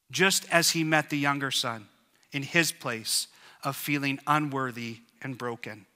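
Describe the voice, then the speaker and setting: A male pastor preaching an earnest, measured sermon. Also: medium pitch, bright, forceful tone, long reverb tail.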